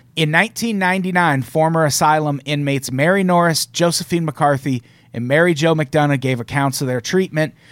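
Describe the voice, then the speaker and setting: Speaking at a fairly quick pace with hardly any pauses, a man with an American accent has an ordinary speaking voice, a fairly high pitch and ordinary pitch variation. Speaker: podcast host. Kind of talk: casual chat.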